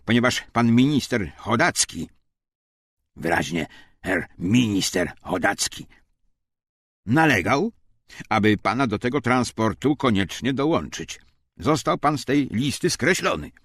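A man's voice: medium pitch, big pitch swings, measured pace, fairly bright tone, dry recording, voice pushed up. A man voicing a stern, officious German SS officer in an audiobook, speaking emphatically as he questions a detainee. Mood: officious, insistent.

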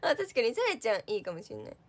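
A young woman in casual livestream chat, answering viewer comments in a fairly high voice that swoops up and down a lot. She is chatty and giggly, packs her talk with fillers and sounds relaxed and unscripted. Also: rapid-fire. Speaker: idol trainee livestreamer.

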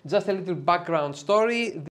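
Man, 30s, Greek accent, slightly high voice, lively step-by-step explaining, lapel mic, home studio. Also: moderate pace. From Greece. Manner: lively, chatty, explains step by step with filler uhs. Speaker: photo editing tutor. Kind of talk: screen-recorded software tutorial. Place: dim home studio, indoors.

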